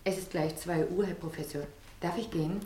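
An actress playing a dutiful, deferential practice nurse in a German radio play. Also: female voice, on the low side, steady tone, a little fast, mellow, natural voice. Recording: roomy, slightly noisy radio play sound.

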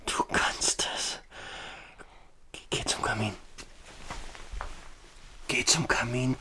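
A man in a radio play acting a sick, feverish, exhausted father who speaks in halting, terse phrases with a breathy, weak voice. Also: mid-range voice, fairly even intonation, pushed and bright. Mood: urgent, exhausted. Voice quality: breathy, creaky whisper. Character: feverish, weakening father in a snowbound cabin.

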